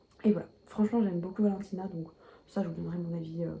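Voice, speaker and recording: Whispering from a woman at a fairly quick pace. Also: big swings in loudness. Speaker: booktuber. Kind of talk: casual vlog chat. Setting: at home at night. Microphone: may be too quiet, volume boosted.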